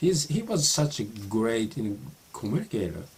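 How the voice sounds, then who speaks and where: Somewhat breathy and with a Japanese accent, a man speaks at a medium pitch and moderate pace with lively intonation. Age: middle-aged. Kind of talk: casual talk to camera.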